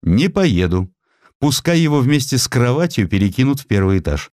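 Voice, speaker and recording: A man's voice: mid-range voice, big pitch swings, moderate pace, a little mellow, dry recording, studio quality, voice pushed up, natural voice. A man voicing an imperious, capricious eminent doctor, curt and commanding, in a dramatised audiobook. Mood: curt, haughty.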